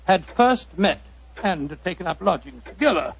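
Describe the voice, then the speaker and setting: Heard through a muffled old radio broadcast, a high-pitched, gravelly older doctor who tells his tale. He is genial and chuckles as he narrates, in a 1940s radio drama style. The sound is dull and lo-fi. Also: expressive, moderate pace, heavily acted.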